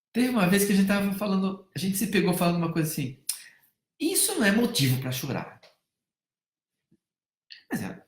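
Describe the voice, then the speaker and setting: A Brazilian man speaking as a family counselor in a live-stream talk, animated, swinging between loud emphasis and soft hushed tones and acting out bits of dialogue as he tells stories. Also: a little high, reverberant. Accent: Brazilian Portuguese. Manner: acts out dialogue while telling stories.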